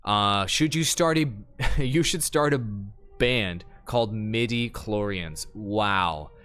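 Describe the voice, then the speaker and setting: A man's voice: lowish voice, slow, a bit bright, clean tone. A man doing casual live gameplay commentary, chatting with viewers in a slangy, joking manner. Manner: slangy, joking, talks to chat. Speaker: live game streamer. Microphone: streaming microphone.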